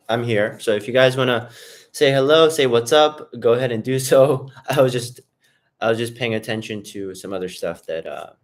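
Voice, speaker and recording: Casual man hosting a live stream. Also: fairly low pitch. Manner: loose, rambling, talks straight to viewers in chat; eats while talking. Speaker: livestream host.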